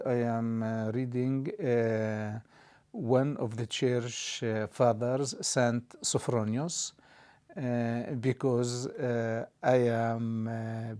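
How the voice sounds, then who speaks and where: A middle-aged man whose first language is Arabic, answering interview questions in English with many halting pauses. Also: medium pitch, a little mellow. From Israel. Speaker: interview guest, theology dean.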